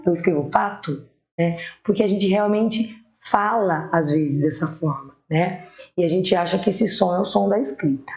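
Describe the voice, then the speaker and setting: A woman with a Brazilian accent teaching primary school children spelling, patiently sounding out words slowly. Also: on the low side, a little mellow. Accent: Brazilian Portuguese. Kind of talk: online spelling lesson. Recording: echoey room, dull lo-fi sound.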